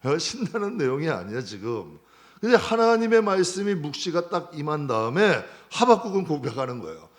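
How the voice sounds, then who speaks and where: A man preaching a sermon as pastor, asking the congregation questions and answering them himself, dropping to quiet low lines and then rising into loud impassioned stretches. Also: big pitch swings, a little fast. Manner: stretches out lists word by word for emphasis.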